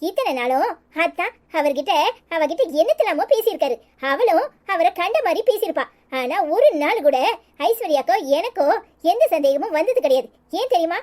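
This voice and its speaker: A bossy but caring elder village sister from a cartoon talks bluntly in a Tirunelveli Tamil accent. Her voice is very high and lively. She fusses and scolds like a mother. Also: brisk. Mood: stern. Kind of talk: cartoon voice acting.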